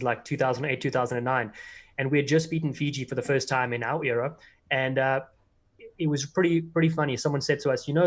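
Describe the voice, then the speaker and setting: South African man, quick and chatty, rambling guest storyteller on a video call. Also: medium pitch. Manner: quick, rambling anecdotes full of fillers and restarts. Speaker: guest, former player and commentator. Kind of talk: casual interview storytelling.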